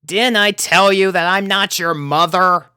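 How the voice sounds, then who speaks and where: A man's voice: sits high, steady tone, unhurried, bright, forceful tone, clean tone, dry recording, studio quality, pitched above the performer's own voice, exaggerated voice. A man voicing a brash, tomboyish young female pegasus pony who talks boldly and gets easily exasperated. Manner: bold, exasperated.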